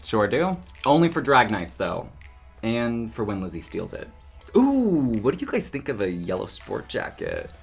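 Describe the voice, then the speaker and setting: Low-voiced, friendly, chatty man. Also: huge pitch swings, a little slow, creaky, husky, faint music behind, exaggerated voice. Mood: playful. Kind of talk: audio drama acting, casual dialogue.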